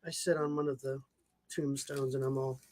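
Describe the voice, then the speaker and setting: A woman's voice: extremely low pitch, level tone, moderate pace, darkish tone. A woman playing a tabletop game, giving bossy commands in casual role-play.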